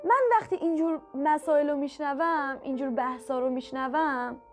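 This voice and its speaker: A woman teaching how to ask for things calmly, patiently repeating each step with examples. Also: sits high, faint music behind. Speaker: communication skills teacher. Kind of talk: instructional talk to camera.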